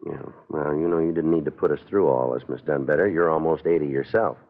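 An actor playing a terse, patient police detective in a 1950s radio drama, laconic and deadpan. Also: male voice, a bass voice, fairly quick. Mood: dry patience. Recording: thin phone-like vintage radio recording.

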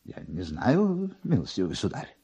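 A man voicing a timid yet self-important major who has lost his nose, halting and deferential as he gropes for words in a dramatic reading. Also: on the low side, huge pitch swings, dark tone, slightly rough, highs cut off, exaggerated voice. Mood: flustered, halting.

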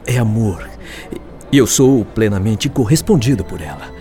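Um ator brasileiro de radionovela interpretando um rapaz dissimulado, que se justifica com falsa candura. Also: male voice, lowish voice, animated, moderate pace, dark tone, soft background music, close to an everyday voice. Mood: self-justifying, smitten. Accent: Brazilian. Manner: hesitant, self-justifying, feigned candour. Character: smug, coldly pretending young man, son of wealthy family. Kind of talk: radio drama acting.

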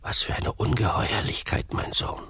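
An actor in a satirical radio play, playing a worldly, scheming Catholic priest with an unctuous, paternal, probing manner. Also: male voice, moderate pace, sharp tone, in a whisper, lightly acted. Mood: stern, probing.

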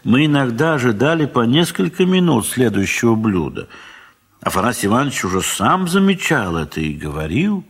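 A slightly rough, mid-range male voice narrates a classic story from a 1970s Soviet audio drama, leaning into a dramatic literary style and measured, expressive pauses.

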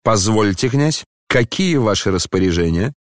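A man's voice: fairly low pitch, animated, moderate pace, dry recording, clean studio sound, lightly acted. A man voicing a tipsy, insolent middle-aged landlord in an audiobook, fawning yet rude and tacking a servile "-s" onto his words.

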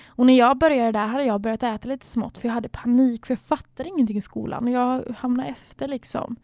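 Candid young woman, gravelly and mellow. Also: on the high side, steady tone, dry recording, clean studio sound. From Sweden. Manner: candid, reflective, at times near a whisper. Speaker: storyteller. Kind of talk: personal storytelling.

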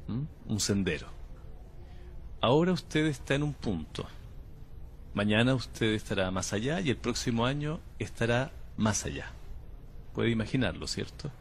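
An actor playing a calm, cryptic male patient who claims to come from the future, speaking in a slow, measured, unsettling way. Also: medium pitch, a little hiss or hum. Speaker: patient under interview. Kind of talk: audio drama acting.

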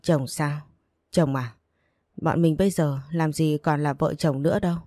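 A woman's voice: low-pitched, fairly even intonation, unhurried, mellow, no room sound, studio quality. A woman reading an audiobook and voicing a heartbroken young wife, choked and self-blaming. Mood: grieving.

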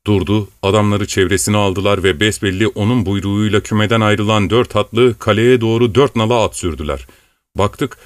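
A man reading a classic novel aloud as an audiobook narrator in a measured, even storytelling manner. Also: fairly low pitch, dry recording. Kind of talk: scripted narration.

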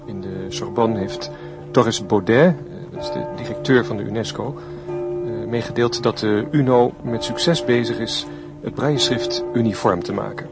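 An actor playing a reverent 1950s radio reporter, commentating hesitantly on a solemn ceremony in a radio play. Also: male voice, mid-range voice, normal speed, lightly acted. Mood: solemn, reporting. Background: music.

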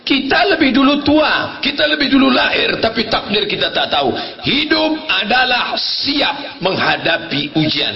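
Animated man preaching with shouted punchlines. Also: fairly high pitch, highs cut off. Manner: animated storytelling, acting out dialogue with laughs and shouts. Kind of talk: humorous sermon.

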